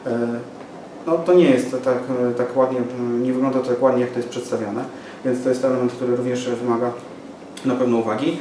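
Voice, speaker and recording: Man, 40s, halting press statement, flat delivery, roomy distant recording. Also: mid-range voice. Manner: hesitant, many fillers and restarts. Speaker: local party activist at press conference. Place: small office room with window. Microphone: far camera mic. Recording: echoey room from far off, noisy.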